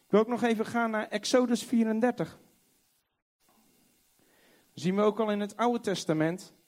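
A man preaching a sermon, reading scripture slowly and swinging from loud, high exclamations to hushed, low tones. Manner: reads scripture aloud slowly and emphatically.

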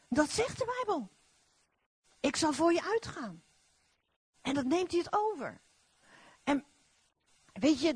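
A middle-aged woman preaching a lively charismatic sermon, exclamatory and repeating her phrases. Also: high-pitched, dry recording. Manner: animated, exclamatory, repetitive phrasing.

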